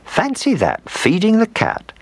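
A man voicing a kindly, doting old woman in a high, fluting falsetto. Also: wildly swooping pitch, unhurried, vocal fry, no echo, full character voice. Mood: delighted.

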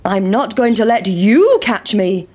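A woman voicing a small, boastful runaway pancake in a high, taunting voice. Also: sing-song, measured pace, a little mellow. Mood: defiant.

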